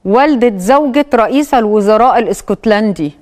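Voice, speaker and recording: A woman's voice: a little high, animated, fast talker, darkish tone. A woman with an Egyptian accent hosting a TV talk show, commenting on clips with hesitant fillers. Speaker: TV host.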